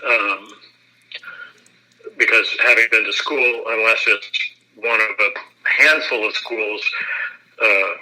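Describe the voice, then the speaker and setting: A man, an actor, giving a relaxed and self-deprecating interview, laughing often as he talks. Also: lowish voice, slow pace, long pauses, low-quality recording.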